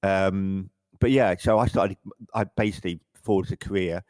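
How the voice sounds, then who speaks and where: A man's voice: sits low, fairly even intonation, normal speed, darkish tone, no echo. A middle-aged English man, a photographer, chatting casually in an interview and often restarting his sentences. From England. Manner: rambling, self-correcting, frequent stammered restarts. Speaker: photographer guest.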